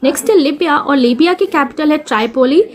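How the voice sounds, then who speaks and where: A woman's voice: high-pitched, a little fast. A woman giving a chatty exam-prep lesson, asking questions and answering them herself. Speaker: teacher.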